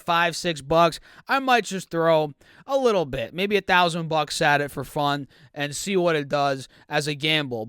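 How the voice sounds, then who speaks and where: Male host, higher pitch, clean crisp voice on a dry close mic, easygoing stock-talk chatter. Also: fairly bright tone, no room sound. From United States. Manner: chatty, reads earnings numbers with quick asides. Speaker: stock market YouTuber. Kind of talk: casual market commentary.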